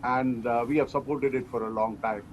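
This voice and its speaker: A man giving measured, explanatory answers as a company executive in an interview. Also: mid-range voice, fairly even intonation. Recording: clearly noisy background.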